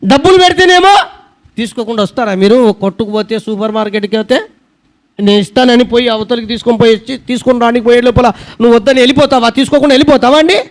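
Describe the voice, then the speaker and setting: A man's voice: extremely high pitch, fast talker. A male pastor preaching a sermon, pressing his listeners with repeated rhetorical questions in an earnest, emphatic manner. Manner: repetitive rhetorical questions to the congregation.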